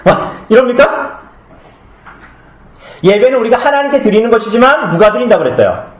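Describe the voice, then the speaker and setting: Animated pastor in an echoey church. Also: male voice, sits high, very fast. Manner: conversational, asks the congregation many questions; acts out short comic scenes with changed voices. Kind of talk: sermon. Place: small church hall. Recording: echoey room.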